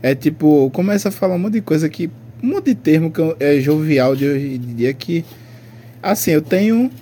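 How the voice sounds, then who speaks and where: A man's voice: fairly high pitch, expressive, moderate pace, mellow, slight background noise. A man in his twenties with a Brazilian Portuguese accent, co-hosting a podcast in casual chat, rambling and slangy with frequent laughs. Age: 20s. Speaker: podcast co-host.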